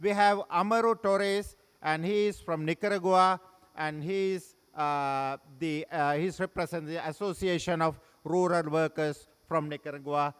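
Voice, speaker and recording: A middle-aged man from Sri Lanka, moderating a panel and giving opening remarks in a halting way that repeats and restarts phrases. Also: a little high, fairly even intonation, a bit bright, clear, resonant tone. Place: large conference hall. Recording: long reverb of a conference hall.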